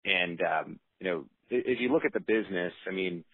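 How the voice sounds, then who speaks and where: Deep, husky man on a phone line. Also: brisk, dry recording. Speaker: financial analyst asking questions. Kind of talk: spontaneous conference call question. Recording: dry, narrowband phone line.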